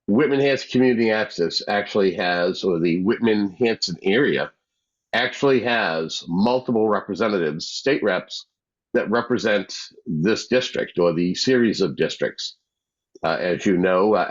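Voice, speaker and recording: Guy hosting a local cable show, kinda low voice, muffled lo-fi sound, lots of uhs. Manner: conversational, filler-heavy introductions. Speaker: talk show host. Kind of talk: community cable interview. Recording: dull lo-fi sound.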